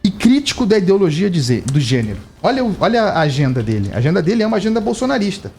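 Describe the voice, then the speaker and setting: A man's voice: fast, a little hiss or hum. A man from Brazil giving emphatic, indignant political commentary on live radio, his voice climbing sharply when he stresses a point. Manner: emphatic, indignant, animated pitch rises. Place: radio studio.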